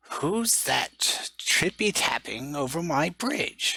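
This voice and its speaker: Bellowing in a put-on character voice, a man speaks very slowly at a high pitch, sounding gruff and raspy. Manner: roaring, gruff.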